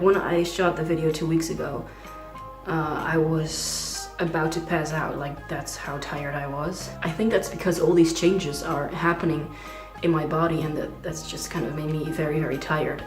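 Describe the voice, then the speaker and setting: A young trans man talking in a casual video diary, hesitant and full of fillers, with a fragile voice that sometimes skips between low and high. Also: reverberant. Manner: hesitant, many "like" fillers, nervous laughs. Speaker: vlogger.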